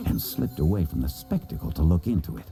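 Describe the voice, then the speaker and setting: A hard-boiled crocodile private eye in an audio drama. The voice sits deep and gritty, with lively swings and a wry, worn-out edge. Music plays underneath. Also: male voice, quick pace. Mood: wry, determined. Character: gruff male crocodile detective, hard-boiled and dry. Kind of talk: noir-style narration and dialogue in audio drama.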